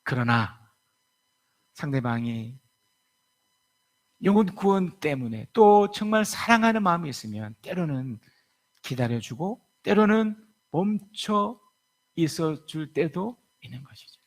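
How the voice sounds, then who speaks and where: A man preaching a sermon in a church, telling the story in a lively way and acting out the voices he quotes. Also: fairly high pitch, measured pace, long pauses. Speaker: pastor. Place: church sanctuary.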